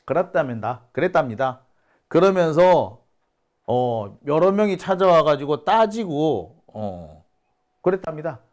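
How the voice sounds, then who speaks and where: A man's voice: fairly high pitch, big pitch swings, a little slow, a little mellow. A man hosting a solo news commentary, indignant and scoffing, sighing and exclaiming as he reads out rumors. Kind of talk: solo talk-show commentary.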